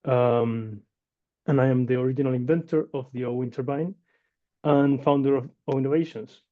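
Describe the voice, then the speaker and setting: A man's voice: medium pitch, fairly even intonation, moderate pace. A man in his forties from Chile, an inventor and founder giving a webinar presentation in a conversational way with many fillers and restarts, heard over a video call. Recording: dull lo-fi video call audio.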